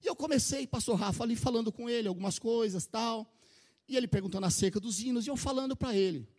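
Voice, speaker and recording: A man's voice: very high-pitched, quick pace, darkish tone. A middle-aged man gives a testimony in church, telling a story with animation and often turning to address the congregation. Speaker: church member giving testimony.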